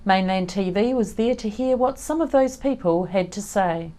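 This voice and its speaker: A woman's voice: medium pitch, expressive, moderate pace, warm tone. A woman reading scripted regional television news as the presenter.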